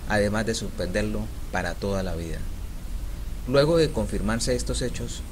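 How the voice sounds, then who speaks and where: A man narrates a scripted countdown in a somewhat low voice. He raises his voice and slows down on each ranking number. There is clear noise behind him in the recording. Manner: announces ranking numbers louder and slower.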